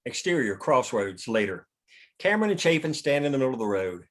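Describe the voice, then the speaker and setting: A man's voice: medium pitch, very animated, brisk, fairly bright tone. Male narrator for a screenplay table read, mid-range voice, reading action lines. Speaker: narrator reading stage directions.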